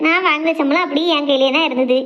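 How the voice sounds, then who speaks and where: A woman's voice: sits high, racing, dull audio, close to an everyday voice. A woman playing a devoted young adult daughter who coaxes and teases her mother. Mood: earnest. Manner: earnest, coaxing, playful. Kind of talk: family drama skit.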